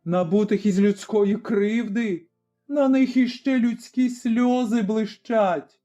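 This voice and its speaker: A grim old Cossack father speaks in slow, firm, commanding words, as a male narrator acts him out. The tone is dark and mellow, pitched fairly high for a man. Faint music sits behind the reading. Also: fairly even intonation.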